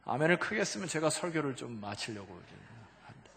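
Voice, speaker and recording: A male pastor preaching a sermon, emphatic, swinging between loud exclamations and hushed low asides and calling out to the congregation. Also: sing-song, a little fast, creaky. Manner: calls out to the congregation for responses. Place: church sanctuary. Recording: long reverb of a large church hall.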